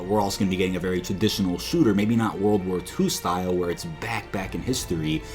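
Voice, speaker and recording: A man with a deep voice speaks as an online gaming news host. He addresses viewers informally and lays out opinions with emphasis. Light music plays behind him. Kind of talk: informal video commentary to viewers. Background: background music.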